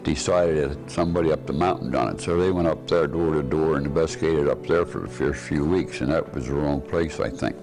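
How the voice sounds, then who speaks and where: An older man speaks plainly and wearily in a news interview. His voice is extremely deep. Music plays clearly behind him. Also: brisk, few pauses.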